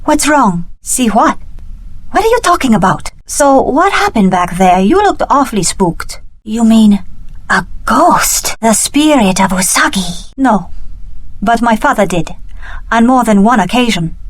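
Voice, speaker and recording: Video game companion: young woman adventurer, lightly high-pitched, observant and wry, very dry studio sound. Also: expressive, unhurried, dry recording. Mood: tense, serious. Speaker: video game character actor.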